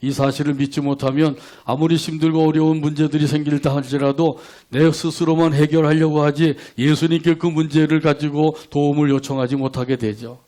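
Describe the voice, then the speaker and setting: A pastor preaches a sermon in a slightly high, dark voice, asking his congregation rhetorical questions. He leads them in call-and-response scripture reading line by line and acts out quoted prayers.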